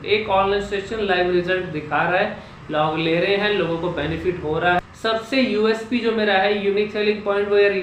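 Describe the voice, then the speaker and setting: A man working as a speech coach, explaining how sounds are made and slowly drilling single syllables in an instructional vlog. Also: high voice, fairly bright tone, a little hiss or hum. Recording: echoey room with faint ambience.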